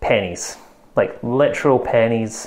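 Speaking very slowly is a man. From Scotland. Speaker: cooking YouTuber. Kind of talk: casual vlog talk to camera. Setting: home kitchen. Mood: wry, exasperated conclusion. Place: kitchen. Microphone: lapel.

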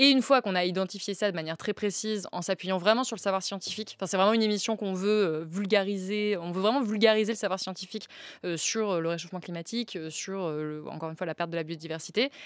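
Against a quiet background, a woman talks at a very fast pace with ordinary pitch variation, in a dry sound with no echo. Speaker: guest. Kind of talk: live interview. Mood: earnest, concerned about climate. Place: studio. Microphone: studio mic.

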